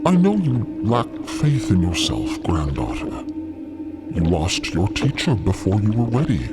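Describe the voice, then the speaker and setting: A man plays a gentle creature from another realm in an audio drama. He speaks with formal, halting dignity, his pitch rising and falling dramatically. Music plays underneath. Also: big pitch swings. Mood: gentle, reassuring. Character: gentle, dignified otherworldly male being, formal and patient.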